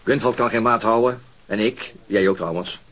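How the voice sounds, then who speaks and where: A man's voice: fairly low pitch, moderate pace, fairly bright tone. An actor playing a frank, conciliatory male police detective in a radio drama.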